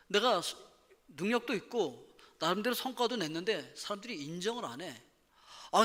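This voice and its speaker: High, bright-voiced male pastor in a reverberant hall. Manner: animated, acts out quoted complaints with sudden loud outbursts. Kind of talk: sermon. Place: church sanctuary.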